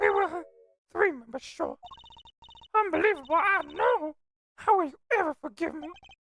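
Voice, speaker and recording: Using a put-on character voice at an extremely high pitch, a woman speaks at a moderate pace with lively intonation, big swings in loudness and long, frequent pauses. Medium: game stream. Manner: gushing, syrupy, theatrical; calls everyone sweetie and darling.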